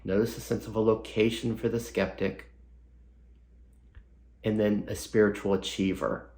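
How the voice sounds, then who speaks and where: A man leading a guided meditation, talking slowly and softly, pausing often and asking gentle questions. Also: fairly low pitch, flat delivery, reverberant. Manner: slow, soft and unhurried, full of pauses and gentle questions. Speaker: meditation teacher.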